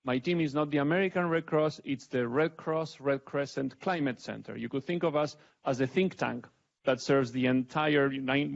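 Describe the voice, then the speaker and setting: A man's voice: mid-range voice, gravelly. A middle-aged man from Argentina with an Argentine accent, giving a conversational, self-deprecating talk to a panel audience. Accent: Argentine Spanish. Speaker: panel speaker. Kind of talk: public talk with slides. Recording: dull lo-fi event recording.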